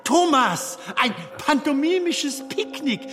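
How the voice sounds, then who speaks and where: A man's voice: very high-pitched, animated, slow pace, pushed and bright, heavily acted. A man playing a playful, eager comedian in a theatrical audio drama, coaxing and teasing his companion. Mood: playful, enthusiastic. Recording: long reverberant hall, music behind.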